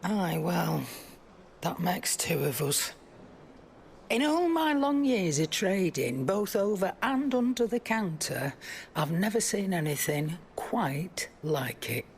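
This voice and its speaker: An actress playing a seasoned, wry black-market trader in a video game, with a British accent and a colloquial storytelling manner. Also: female voice, lowish voice, sing-song, takes it slowly, slight background noise, full character voice. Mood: wry, confiding. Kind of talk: video game cutscene acting.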